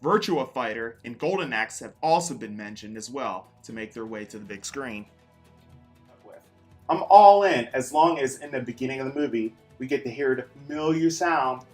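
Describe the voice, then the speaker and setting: A man presents gaming news as the host of a weekly show. His voice sits at an average male pitch, and he reads his script with informal, punchy emphasis and dramatic pauses. Faint music plays behind him. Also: animated.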